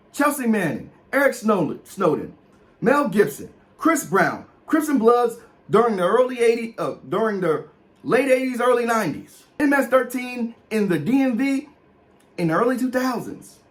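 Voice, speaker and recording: High-pitched, animated man, African American English. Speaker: host explaining slang. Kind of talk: comedic explainer, reading out a list with asides. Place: small room with posters, indoors.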